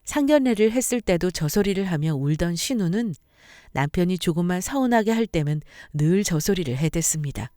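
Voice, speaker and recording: Expressive young woman narrating a story. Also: fairly low pitch, no room sound, studio quality. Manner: expressive, confiding.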